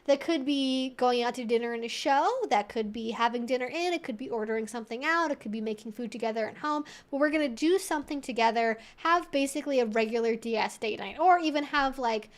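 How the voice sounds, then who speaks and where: A woman hosting a live Q&A, talking casually and explaining things in a conversational, animated way, often acting out imagined thoughts. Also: fairly high pitch, a little fast, hardly any pauses. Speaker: host of a weekly live Q&A stream. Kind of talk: casual educational chat, answering viewers.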